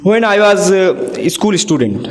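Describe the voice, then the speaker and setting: A young man with a South Asian accent and a high voice practises a speech. He is a learner with halting English, recorded in an echoey classroom with some background noise. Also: sing-song. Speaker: public speaking student. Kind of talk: practice speech, repeating after a teacher. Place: indoor classroom.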